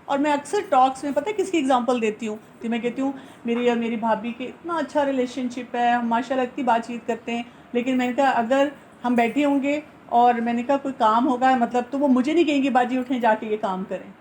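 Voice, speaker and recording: A woman with a high voice gives instructive advice, earnest and patient. She poses questions and answers them herself, slipping English phrases into her talk. A faint background noise sits under the recording. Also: fairly even intonation, hardly any pauses, a little mellow. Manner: explains by asking and answering her own questions. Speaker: family counselor.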